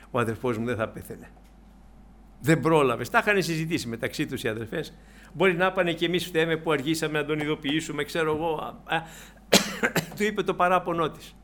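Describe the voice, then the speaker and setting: A man preaching a sermon to his congregation, animated, swinging between loud exhortation and hushed storytelling and acting out the people in the story. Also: a little high. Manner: acts out biblical figures and believers in his own voice.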